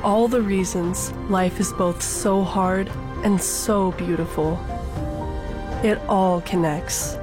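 Female ad narrator, slow, heartfelt, over music. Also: mid-range voice, fairly even intonation. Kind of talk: charity ad voice-over.

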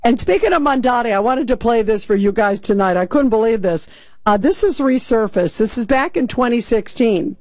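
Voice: medium pitch, expressive, normal speed, darkish tone, no echo. A talk radio host commenting emphatically and sounding incredulous, taking calls.

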